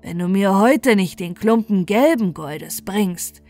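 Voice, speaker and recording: A woman's voice: mid-range voice, expressive, takes it slowly, dark tone, soft background music. A woman voicing a cruel, commanding male sorcerer in a fairy tale, stern and threatening. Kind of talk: fairy tale storybook reading.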